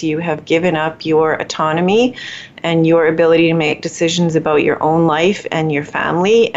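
Woman lawyer, low gravelly voice, measured and thoughtful, lo-fi audio. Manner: thoughtful, measured, many pauses with fillers. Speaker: collaborative family lawyer. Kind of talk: conversational interview answers. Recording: dull lo-fi audio.

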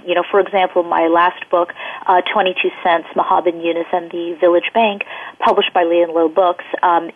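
A woman children's book author speaking in an interview, rambling along with many fillers and restarts. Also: on the low side. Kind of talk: casual interview over the phone. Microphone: telephone. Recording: tinny phone line.

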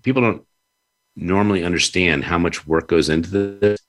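A man's voice: deep voice, moderate pace. A man hosting a conversational interview, effusive and given to repeating his phrases. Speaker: host; publisher.

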